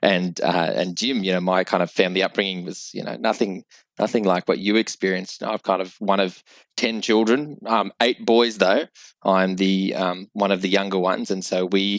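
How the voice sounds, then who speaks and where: In an Australian accent, a man speaks at a fairly low pitch and moderate pace with fairly even intonation. The sound is dry and close with no echo, against a quiet background. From eastern suburbs of Sydney, Australia. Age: young. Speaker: philosopher and podcast co-host. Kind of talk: casual chat.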